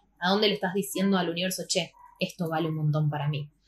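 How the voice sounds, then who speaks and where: A woman in a Rioplatense accent, somewhat breathy, at a fairly quick pace. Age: 30s. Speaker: holistic therapist and podcast host. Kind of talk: motivational livestream talk. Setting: live stream.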